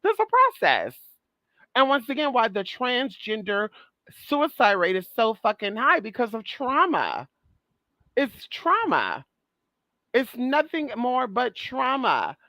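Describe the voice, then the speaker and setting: Trans woman, vlog host, brassy and foul-mouthed, emphatic repeats, higher-pitched, dry mic. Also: huge pitch swings, takes it slowly, pushed and bright, no room sound. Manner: sassy and profane, calls listeners girl, honey and baby; emphatic, repeats phrases for weight. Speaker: vlogger. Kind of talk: casual monologue rant.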